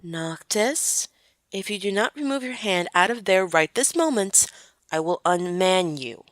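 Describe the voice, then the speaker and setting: A woman acting a poised young noblewoman in a fan audio drama, formal and wry, with measured wording. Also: mid-range voice, animated, dry recording, studio quality, natural voice. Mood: firm, wry.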